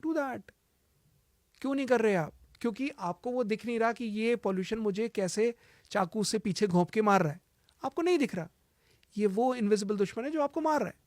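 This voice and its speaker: A man's voice: high voice, moderate pace, darkish tone, no room sound, clean studio sound. A man speaking as a cancer healer, giving urgent advice and repeating his warnings, mixing English phrases into Hindi. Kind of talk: advice-giving interview talk.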